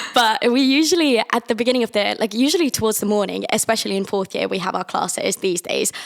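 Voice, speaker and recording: With an English accent, a woman speaks at a very fast pace with hardly any pauses, using a fairly high pitch and vocal fry, in a dry, close sound with no echo. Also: lively intonation. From Estonia, then England from about age 10. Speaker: medical student. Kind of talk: casual chat.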